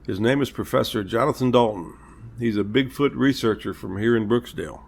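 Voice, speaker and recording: A man playing a polite, reassuring police captain, speaking in a measured, earnest way in an amateur audio drama. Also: mid-range voice, vocal fry. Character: courteous, reassuring male small-town police captain.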